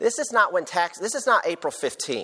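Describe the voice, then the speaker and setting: At a moderate speed, a man speaks in a Southern US accent. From Tennessee. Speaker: pastor. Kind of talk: sermon. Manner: halting.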